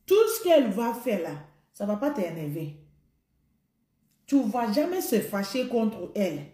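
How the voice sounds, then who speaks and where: A woman's voice: mid-range voice, big pitch swings, measured pace, dark tone. A woman giving a humorous advice monologue to the camera, emphatic and repeating her points as she speaks directly to the listener. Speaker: vlogger. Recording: roomy echo.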